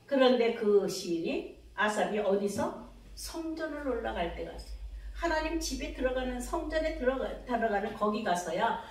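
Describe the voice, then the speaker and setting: A woman pastor preaching a revival sermon, dramatically acting out her own prayers and calling for amens. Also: high voice. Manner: calls for amens from the congregation. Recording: very echoey hall, mic from a distance.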